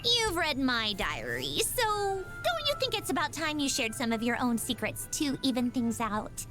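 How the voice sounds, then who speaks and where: A woman's voice: high-pitched, huge pitch swings, moderate pace, over music. An actress playing a haughty, brainy young female inventor in a video game, speaking precisely and with cool superiority. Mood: aloof, teasing. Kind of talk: scripted video game character voice lines.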